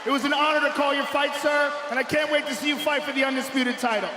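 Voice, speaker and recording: A man interviewing a fighter in the arena, shouting his questions with enthusiasm. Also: extremely high pitch, fairly even intonation, quick pace, noisy background. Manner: enthusiastic, emphatic. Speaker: octagon-side interviewer. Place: large indoor arena. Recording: echoey arena with loud crowd. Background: cheering crowd.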